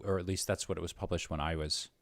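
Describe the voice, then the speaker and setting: A man's voice: sits low, steady tone, fast, no room sound. A man interviewing in a casual conversational way, hesitant and often rephrasing his questions as he goes.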